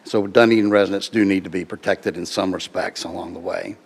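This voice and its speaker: A man giving a formal, argumentative public comment at a meeting in a measured, lawyerly way. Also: low-pitched, fairly even intonation, vocal fry. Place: public meeting room, speaking at a microphone.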